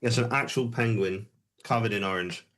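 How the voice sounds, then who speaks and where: A man with a lowish, fairly bright voice co-hosts a music review livestream, talking at normal speed. His casual chat is rambling and easygoing, with many hesitations.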